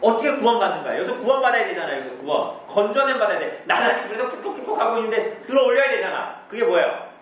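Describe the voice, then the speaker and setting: Man teaching in an echoey church, lively. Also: sits high, fast talker, slight background noise. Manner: asks the congregation questions and answers them himself. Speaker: pastor. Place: church meeting room. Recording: distant, echoey, dull room recording.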